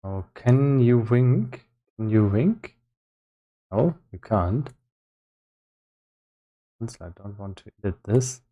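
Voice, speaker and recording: A man giving casual live-stream commentary as he works on a game, thinking aloud in a halting way with repeated words. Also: on the low side, animated, highs cut off. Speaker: solo game developer streaming.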